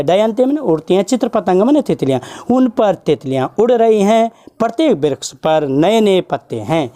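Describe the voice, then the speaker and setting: A man teaching a school lesson, going word by word, repeating himself, and chanting verses slowly. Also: high-pitched, mellow. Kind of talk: Sanskrit lesson explanation.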